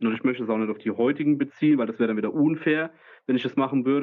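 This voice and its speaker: In a normal speaking voice, a man talks at a medium pitch with fairly even intonation. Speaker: supervisory board candidate, dental lab technician. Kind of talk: interview. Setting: video call.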